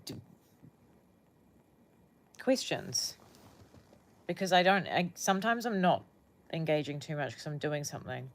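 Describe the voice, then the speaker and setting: A woman's voice: low-pitched, lively intonation, measured pace, long pauses. A young woman with a New Zealand accent chatting casually with viewers on a livestream, rambling and often searching for words.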